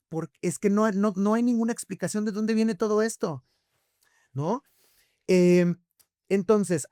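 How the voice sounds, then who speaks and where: Animated Mexican man telling stories. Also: high voice, no echo, studio quality. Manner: animated storyteller, rhetorical questions, frequent tag "¿no?". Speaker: podcast guest, therapist. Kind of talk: conversational podcast interview.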